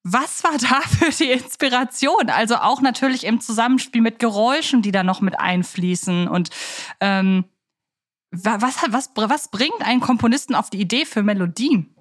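A woman's voice: fairly high pitch, expressive, normal speed. A woman interviewing as a podcast host, asking wordy, conversational questions and thinking aloud.

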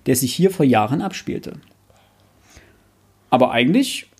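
Husky, mellow young man hosting. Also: medium pitch, expressive, unhurried. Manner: hesitant, self-correcting, thinking aloud. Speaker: podcast host. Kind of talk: casual book discussion.

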